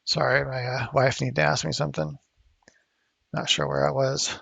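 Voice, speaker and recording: Male art instructor, mid pitch, raspy fry, relaxed thinking-aloud delivery. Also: moderate pace, no echo, dull audio. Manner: rambling, thinking aloud with fillers. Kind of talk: casual sculpting tutorial. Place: home studio.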